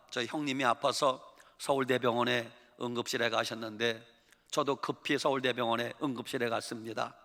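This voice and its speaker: A male pastor giving a Sunday sermon, telling stories with lively acted-out voices, sometimes booming and sometimes hushed. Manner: animated storytelling, acting out voices of people in the stories; swings from loud exclaiming to hushed murmuring. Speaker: senior pastor. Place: church sanctuary. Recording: reverberant church sanctuary.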